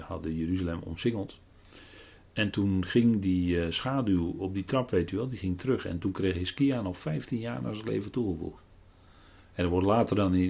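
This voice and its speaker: An older man giving a halting Bible talk, full of pauses and restarts. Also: deep voice, darkish tone, husky, dull audio. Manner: halting, many fillers and restarts. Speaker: preacher.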